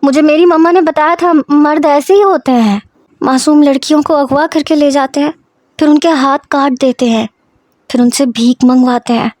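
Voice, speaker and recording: A woman's voice: a little mellow, no echo, clean studio sound, lightly acted. Woman doing a scared childlike girl. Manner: high, pleading, childish. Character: frightened childlike young woman, distrustful and clingy.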